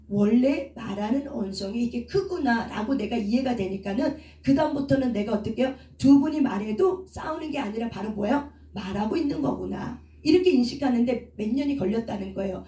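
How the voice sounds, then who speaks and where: A woman's voice: on the high side, warm tone, distant mic. A middle-aged woman counselor giving a teaching sermon, asking the congregation rhetorical questions and answering them herself. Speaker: counselor and preacher. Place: church prayer hall. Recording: echoey room, speaker away from the mic.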